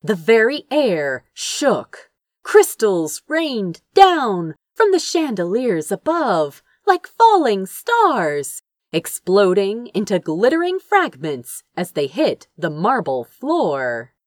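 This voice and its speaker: A woman's voice: medium pitch, huge pitch swings, takes it slowly, dry recording, clean studio sound. A woman reading a fantasy story aloud as narrator, with theatrical, suspenseful delivery. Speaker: fan fiction narrator.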